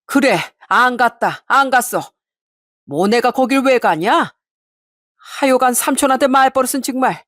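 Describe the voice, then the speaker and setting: A woman's voice: high-pitched, animated, measured pace, a bit bright, no room sound, pitched above the performer's own voice, heavily acted. Woman narrator doing an arrogant, sneering older uncle for an audio story, heard close and dry. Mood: defiant. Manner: sneering, scornful. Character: rude arrogant uncle in his sixties.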